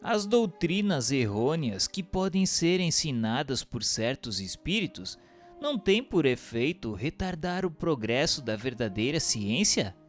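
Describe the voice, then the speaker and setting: A man's voice: fairly high pitch, sing-song, unhurried. A Brazilian man playing an earnest student who questions spirits formally in a radio drama. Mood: earnest, questioning. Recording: music behind the voice.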